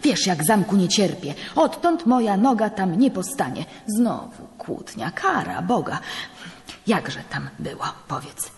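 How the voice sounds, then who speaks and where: A woman reading a part as a scheming middle-aged priest, with a hushed, urgent manner, often dropping to a whisper. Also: medium pitch, sing-song, a little slow, voice pushed up. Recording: long hall reverb, live stage.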